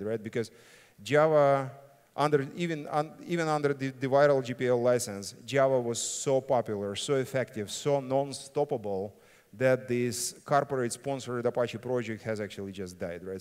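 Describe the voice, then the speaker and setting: A middle-aged man presents at a tech conference in English, which isn't his first language, his average male pitch carrying a clean, slightly mellow tone. He's blunt and informal, often tacking "right?" onto his sentences. The hall's sound system leaves a long, reverberant wash around his voice.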